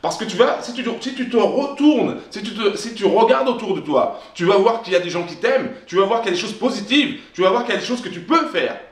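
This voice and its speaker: Guy doing a pumped-up self-help vlog, high lively voice, keeps repeating stuff, echoey room. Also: quick pace, few pauses. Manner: emphatic, repetitive, frequent restarts. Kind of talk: direct-to-camera motivational talk.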